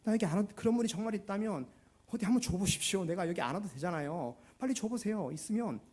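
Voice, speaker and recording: A man's voice: sits high, lively intonation, quick pace, mellow, breathy edge. A man voicing a skeptical woman at a well who mocks and challenges with pointed questions, in a church sermon. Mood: sarcastic.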